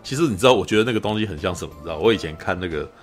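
Fast-talking podcast host. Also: male voice, deep voice, faint music behind. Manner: animated storyteller, keeps asking "you know?". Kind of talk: casual film review chat.

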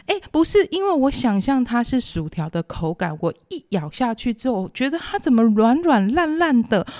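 A woman's voice: a little high, expressive, moderate pace, dark tone, dry recording, clean studio sound. A woman with a Taiwanese Mandarin accent, chatting and telling stories casually as a podcast co-host, playful, emphatic and opinionated. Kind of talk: casual banter and storytelling.

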